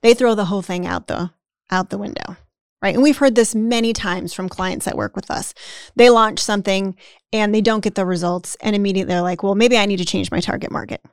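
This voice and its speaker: A woman's voice: medium pitch, steady tone, a little fast, clean tone, dry recording, studio quality. A woman co-hosting a podcast in casual conversation, chatty, often tagging sentences with "right?" and acting out the self-talk of the people she describes. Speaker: podcast co-host.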